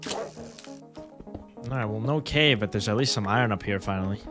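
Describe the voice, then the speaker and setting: A man's voice: on the low side, measured pace, over music. A young man casually commenting on his gameplay, rambling and joking with viewers. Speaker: gaming creator. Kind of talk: let's play commentary.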